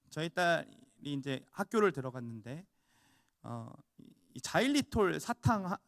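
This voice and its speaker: A man in his thirties preaching a sermon as pastor, telling stories with acted-out dialogue and building to emphatic peaks. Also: high-pitched.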